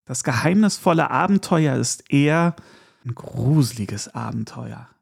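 A man's voice: medium pitch, expressive, measured pace, vocal fry, slightly rough. A man hosting a casual podcast, talking in a chatty, enthusiastic way with asides and small laughs. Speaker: podcast host.

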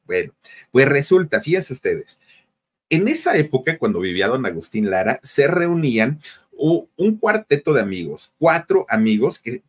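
A man hosting a podcast, telling an anecdote in an animated way and acting out what people said. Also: medium pitch, husky. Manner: animated storyteller, acts out dialogue with lively swings. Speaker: podcast host. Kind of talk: storytelling to listeners.

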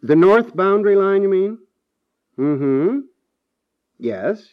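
A man's voice: high-pitched, big pitch swings, slow pace, no room sound, exaggerated voice. An American man acting a polite, reasonable, dryly frank house planner in a 1950s radio comedy. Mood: businesslike. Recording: dull 1950s radio recording.

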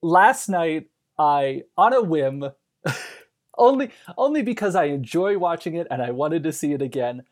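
A man's voice: fairly high pitch, animated, measured pace. A man as a podcast guest, riffing comically in a theatrical way, stammering and breaking into laughter. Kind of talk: casual chat, comic riffing.

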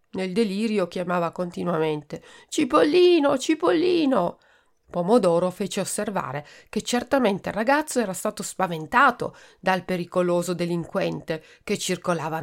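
A woman from Italy reads a children's storybook aloud with clear, expressive narration. Her voice has a mid pitch and a gravelly texture. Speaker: podcast host reading a children's book.

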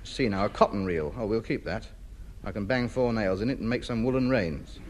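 A man's voice: fairly low pitch, a little fast, lightly acted. An actor playing a pompous, self-important man in a 1950s radio sitcom, blustering and grandiloquent. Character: pompous, self-important middle-aged man hoarding junk. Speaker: comedy lead. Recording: noisy old radio broadcast.

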